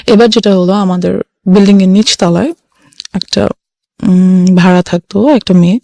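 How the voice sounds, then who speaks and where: A woman's voice: medium pitch, moderate pace, creaky, mellow. Young woman earnestly telling her story. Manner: earnest, mixes English phrases into her talk. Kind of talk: personal storytelling.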